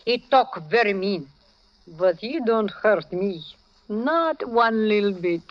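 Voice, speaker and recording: Brassy, slow-talking Latina seductress. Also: female voice, mid-range voice, animated. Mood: teasing. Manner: flirtatious, taunting. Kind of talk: 1940s radio crime drama acting. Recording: dull vintage radio recording.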